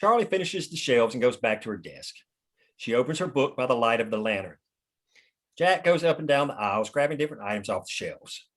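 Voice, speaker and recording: A man's voice: mid-range voice, animated, fairly quick, a bit bright. A man reading stage directions as scripted narration at a table read, in a plain, matter-of-fact manner.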